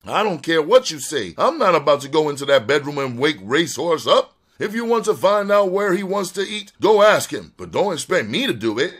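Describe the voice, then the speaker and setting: Man voicing an anxious, high-pitched young woman. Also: big pitch swings, fairly quick, few pauses, fairly bright tone, breathy edge, full character voice. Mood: frightened, stubborn. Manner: anxious, insistent, slangy. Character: timid young blonde woman, fearful of her man.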